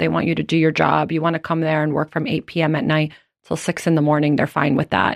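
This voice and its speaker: In a very clean recording with a silent background and a dry, close sound with no echo, a woman with an American accent speaks very fast, her very deep, low pitch carrying fairly even intonation. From Queens, New York. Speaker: entrepreneur, co-founder of a moms' business community. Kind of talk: casual interview.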